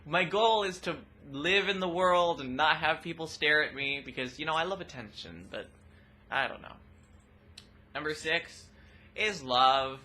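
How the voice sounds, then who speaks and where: A young trans woman with a rather deep voice, talking expressively and loudly in a casual personal vlog. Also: measured pace. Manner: expressive, loud, laughs often. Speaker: vlogger.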